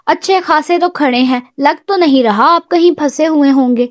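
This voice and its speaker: Woman doing a stubborn young woman, sassy, mock-innocent, high voice, audiobook. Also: lightly acted. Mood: cheeky.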